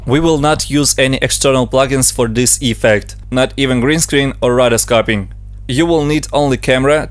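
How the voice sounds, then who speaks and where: Ukrainian-accented man explaining software steps. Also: medium pitch, dry recording. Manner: steady step-by-step instructions in non-native English. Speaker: motion design tutor. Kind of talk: screen-recorded software tutorial.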